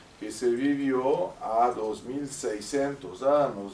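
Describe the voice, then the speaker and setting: Male speech with ordinary pitch variation, plus audible room echo. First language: Portuguese (speaking Spanish). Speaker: lecturer on yoga and theosophy. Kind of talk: lecture. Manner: halting.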